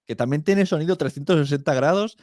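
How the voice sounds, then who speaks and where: A man's voice: a little high, quick pace, darkish tone, dry recording, clean studio sound. A man with a Castilian accent from Spain chats informally on a podcast, acting out little imagined remarks to make his points. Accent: Castilian Spanish from Spain. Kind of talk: casual podcast conversation.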